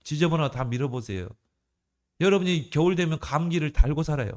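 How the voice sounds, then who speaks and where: Male pastor, fairly high voice, conversational sermon with rhetorical questions. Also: animated, brisk. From South Korea. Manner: conversational preaching with rhetorical questions and shifting emphasis.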